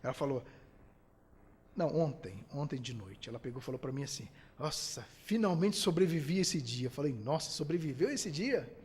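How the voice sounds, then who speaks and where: A man's voice: fairly high pitch, lively intonation, normal speed, a little mellow, breathy edge, long reverb tail. A man from Brazil giving a spiritist lecture, asking rhetorical questions and acting out quoted dialogue.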